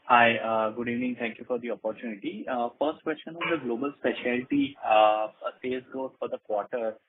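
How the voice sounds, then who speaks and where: A man asking business questions as an analyst on a phone call, polite and halting in his delivery. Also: mid-range voice, noisy background. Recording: tinny narrowband phone line.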